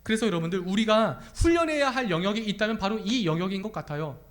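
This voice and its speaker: A man's voice: sits high, fast. A young adult man preaching a Sunday sermon in church, asking his congregation question after question. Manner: animated, asks the congregation many questions. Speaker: pastor. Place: church sanctuary.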